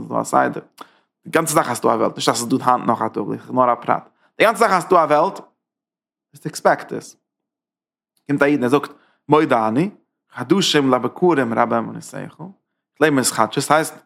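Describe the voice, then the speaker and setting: A man giving a Hasidic text lesson, talking in halting Yiddish-style German that is full of Hebrew and English terms. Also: medium pitch, gravelly, a bit bright. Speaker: Torah teacher.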